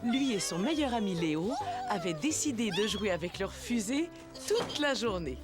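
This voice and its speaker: A woman narrating a preschool cartoon as a gentle, expressive storyteller, in scripted storybook style. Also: medium pitch, moderate pace, over loud music, close to an everyday voice. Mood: warmly pleased.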